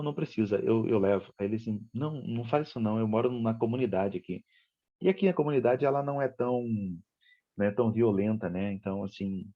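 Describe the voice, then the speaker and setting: Low-voiced Brazilian man telling a story. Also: highs cut off. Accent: Brazilian Portuguese, Rio de Janeiro. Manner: conversational, re-enacts dialogue in the story. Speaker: spiritist lecturer. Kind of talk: storytelling talk.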